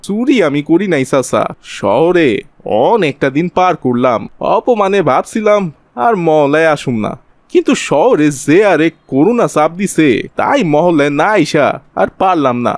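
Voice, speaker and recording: A man's voice: on the high side, lively intonation, normal speed, no room sound, close to an everyday voice. A man voicing a scheming, wheedling village conman in a cartoon, with a rural Bangladeshi accent. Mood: aggrieved, wheedling. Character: scheming male village conman spreading virus rumours for profit. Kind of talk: cartoon character acting.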